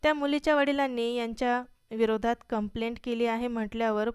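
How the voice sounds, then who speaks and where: A cautious middle-aged man warns calmly, as a woman reads him out. The voice is very clear and close. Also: a little high, fairly quick, dry recording, close to an everyday voice. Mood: worried.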